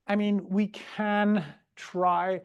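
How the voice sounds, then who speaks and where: A woman's voice: medium pitch, flat delivery, extremely slow, clean tone, lo-fi sound. A woman doctor giving an informal lecture on dementia, chatty, often tagging "right?" and acting out what patients say. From Canada. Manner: chatty, keeps asking "right?", acts out patients' words. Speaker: physician giving a dementia education talk.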